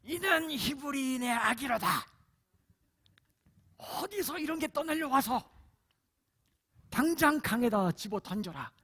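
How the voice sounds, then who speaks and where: A man doing a high-voiced Egyptian princess. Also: lively intonation, a little slow, long pauses, fairly bright tone, breathy edge, full character voice. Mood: harsh. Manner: high falsetto, far from mic. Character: Egyptian princess, young woman, by a river.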